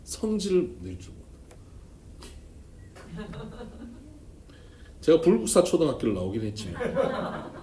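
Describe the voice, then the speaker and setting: A male pastor preaches at a seminar, his pitch swinging freely as he tells humorous stories. His tone is dark and mellow. The church room echoes, with a faint hiss underneath. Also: wildly swooping pitch, a little fast. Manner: storytelling with humor, emphatic swings in loudness. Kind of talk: seminar sermon.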